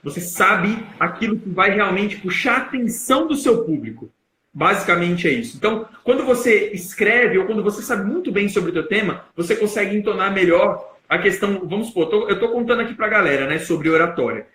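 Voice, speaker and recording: Young Brazilian man, public-speaking coach on a live stream, bright, punchy delivery with deliberate emphasis, roomy echo. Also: high voice, animated. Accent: Brazilian Portuguese. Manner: explanatory, plays with emphasis and loudness to demonstrate.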